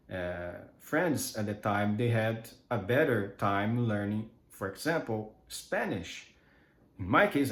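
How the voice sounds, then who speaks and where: A man's voice: medium pitch, roomy sound. A man from Brazil, a native Portuguese speaker with a countryside São Paulo accent, talks in a casual monologue full of hesitant restarts. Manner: hesitant, many restarts and fillers. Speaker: vlogger.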